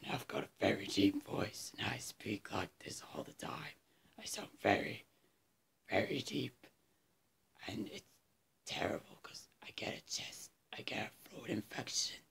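A young woman voicing a gruff, deep-voiced male superhero in a slow, gravelly growl. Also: expressive, fairly bright tone, in a whisper, full character voice. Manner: slow, exaggerated rasp, breaks into laughter. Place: small indoor room. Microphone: webcam.

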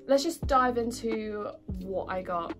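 A young British woman chatting casually to her viewers in a bubbly, informal way, with a slightly husky voice from a cold. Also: medium pitch, slow, over music. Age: young adult. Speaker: vlogger. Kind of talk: casual chatty haul vlog.

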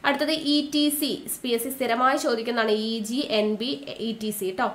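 A woman's voice: on the high side, fairly bright tone. Malayali woman teaching, repeating key terms. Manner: repeats key terms slowly, asks and answers own questions. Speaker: exam coaching teacher. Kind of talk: recorded exam-prep lesson.

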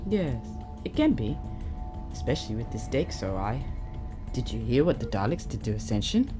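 A woman playing an excitable, guarded chief scientist in an audio drama, precise and theatrical. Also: a bass voice, moderate pace, music in the background.

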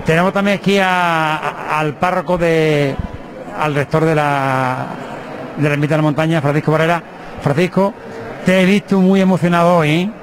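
A middle-aged man, a local TV reporter asking questions quickly and restarting often, holding a handheld mic inside a chapel. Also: a little high, fairly even intonation, noisy background. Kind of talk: interview questions. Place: inside a small chapel by the altar.

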